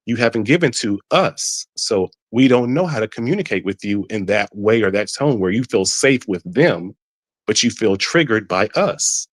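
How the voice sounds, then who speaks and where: A man speaking African American Vernacular English, calling in to a podcast and earnestly explaining himself, often repeating words and rising in pitch when he insists. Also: lively intonation, normal speed, no echo. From United States. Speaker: caller. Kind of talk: heated podcast call-in discussion.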